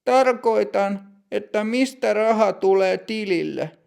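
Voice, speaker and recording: Strict older female bank teller, put on by a man; raised pitch, gravelly, precise, for a storybook lesson. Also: darkish tone. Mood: stern. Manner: slow, precise, formal.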